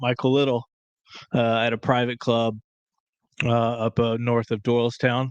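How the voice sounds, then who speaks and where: A man at a medium pitch speaks with a strong Southern US accent. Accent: thick Southern US. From US South. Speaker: golf professional. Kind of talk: casual podcast chat.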